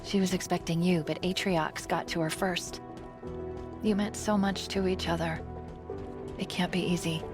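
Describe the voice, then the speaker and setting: An actress playing a caring, earnest artificial intelligence companion in a video game, speaking gently and articulately. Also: female voice, on the low side, steady tone, moderate pace, long pauses, over music, close to an everyday voice. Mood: sympathetic. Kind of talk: video game cutscene acting.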